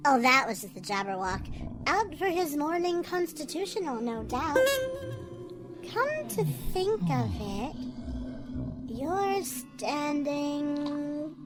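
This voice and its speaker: A woman's voice: high-pitched, very animated, slow pace, over loud music, full character voice. A woman voicing a playful, riddling bird creature in an audio drama, sly and mock-innocent, with a sing-song delivery. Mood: mischievous.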